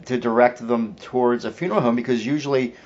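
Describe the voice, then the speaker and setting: A man's voice: medium pitch, fairly even intonation, fast talker, darkish tone. A man chatting casually as a podcast co-host, with a tentative, questioning way of talking. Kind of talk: casual chat. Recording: dull lo-fi audio.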